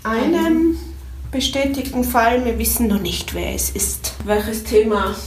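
A woman's voice: a little high, expressive, measured pace, a little mellow, soft background music. A woman in her forties who owns a guesthouse, chatting casually in a vlog and laughing often. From Tyrol, Austria. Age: 40s. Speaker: guesthouse owner. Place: small wooden garden sauna. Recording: roomy echo, voice far from mic.

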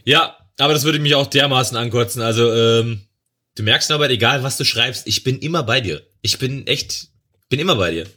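Man, podcast co-host, casual chat, rambling, bright tense tone. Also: medium pitch, fairly quick. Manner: rambling, lots of fillers and restarts.

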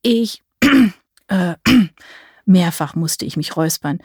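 A woman's voice: medium pitch, normal speed, dry recording, clean studio sound, lightly acted. A woman voicing a polite young man who is lost and stammers when he speaks. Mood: stammering.

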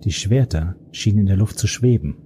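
A man reading a first-person audiobook in a steady, grave manner. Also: on the low side, a little fast, a little hiss or hum. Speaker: narrator.

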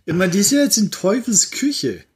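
A man with a high, very animated voice comments on a story he is listening to, curious and wondering aloud what happens next. His pitch leaps around a lot. A faint background noise runs under his speech. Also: normal speed. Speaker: co-host listener. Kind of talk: casual chat.

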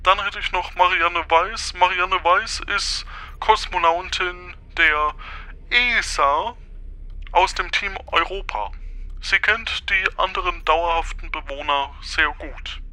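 A man playing a bright-voiced, flustered station clerk. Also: high-pitched, takes it slowly, exaggerated voice. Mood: dutiful. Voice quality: stumbling, self-correcting.

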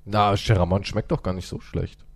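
A man chatting casually and teasingly, with an animated, expressive way of talking. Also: fairly low pitch, normal speed, vocal fry, no room sound. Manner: teasing, playfully mocking. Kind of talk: casual banter.

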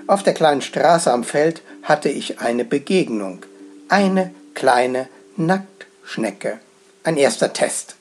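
A man narrating his own story as a guest storyteller, in a gentle, expressive telling. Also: medium pitch, slightly rough. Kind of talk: first-person story narration.

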